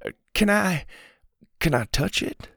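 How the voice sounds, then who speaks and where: A bearded storybook wizard speaks slowly, stretching his words, and his pitch leaps about with wonder, as a man reads him out. He turns giddy and eager at the smallest surprise. The sound is dry and close. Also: lively intonation, vocal fry, a bit bright, slightly rough, no room sound, exaggerated voice. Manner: slow, drawn-out, giddy.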